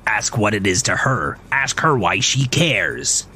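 A man's voice: fairly low pitch, very animated, a little slow, pushed and bright, full character voice. Man voicing a snarling, scornful gaunt bully. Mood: needling. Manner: snarling, hissing, profane needling. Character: gaunt, crude, bullying imaginary male friend, exasperated and scornful. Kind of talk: audio drama character voice.

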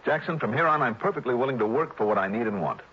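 A man's voice: mid-range voice, lively intonation, fast, breathy edge. An actor playing a breezy, joking insurance investigator in a 1960s radio drama, also narrating his expense report. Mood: wry. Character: wisecracking male insurance investigator. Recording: dull vintage radio broadcast with faint hiss.

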